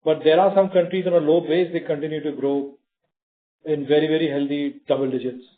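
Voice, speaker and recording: Higher-voiced male executive on phone line. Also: fairly even intonation, a little fast. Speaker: company executive. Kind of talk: informal answers on an earnings conference call. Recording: thin telephone conference line.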